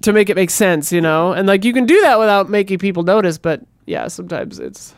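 A man's voice: high voice, very animated, brisk, vocal fry, no echo, studio quality. A man co-hosting a podcast, chatting casually about film with many fillers and some swearing. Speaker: podcast co-host.

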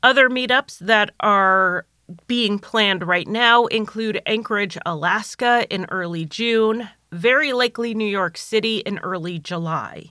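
A woman's voice: medium pitch, a little slow, pushed and bright, no echo, studio quality. A woman hosting her podcast alone, chatting straight to listeners in an organized way, a little stuffy from a cold. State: recovering from a cold, slightly nasal. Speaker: podcast host. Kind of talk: casual solo podcast monologue.

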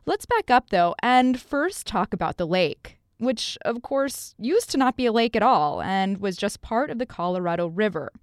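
A woman hosting a radio show, narrating a scripted feature in an upbeat, lively storytelling manner. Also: mid-range voice, moderate pace, few pauses, smooth, dry recording, clean studio sound. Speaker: radio host.

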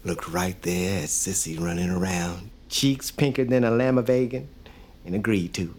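A man's voice: low-pitched, steady tone, moderate pace, a little mellow, breathy edge. An actor playing a hopeful young father, talking earnestly. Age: young adult. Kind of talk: audio drama.

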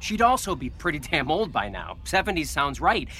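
An actor playing an eager, awkward, nerdy enthusiast in an audio drama, excitable and a little hesitant. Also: male voice, a little high, moderate pace, slight background noise. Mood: eager, excited. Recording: faint background ambience.

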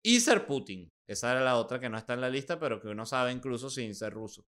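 Smooth-voiced Venezuelan man joking around. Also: mid-range voice, lively intonation, fairly bright tone. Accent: Venezuelan Spanish. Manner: joking and sarcastic, with quick asides. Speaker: podcast host. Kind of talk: casual commentary.

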